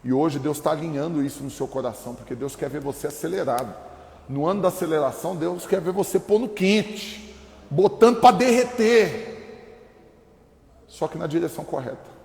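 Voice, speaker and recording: Gravelly-voiced Brazilian pastor preaching. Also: male voice, on the high side, fairly quick, slight background noise. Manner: lively, humorous preaching with voices and shouts. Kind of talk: sermon. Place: church hall. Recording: echoey hall reverb.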